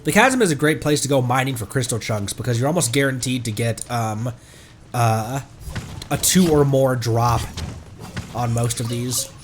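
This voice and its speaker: A man's voice: medium pitch, normal speed, a little hiss or hum. A man giving casual live gameplay commentary as a streamer, chatty and thinking aloud. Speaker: video game streamer. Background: faint game music.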